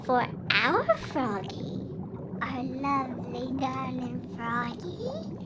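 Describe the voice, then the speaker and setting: A woman plays a high-voiced mermaid in a fantasy audio comedy. She coos possessively and dramatically, drawing every phrase out very slowly. Loud sloshing water surrounds the voice. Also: sing-song, exaggerated voice. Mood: doting, possessive. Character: doting, possessive mermaids cooing over captive frog prince. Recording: watery background noise of waves.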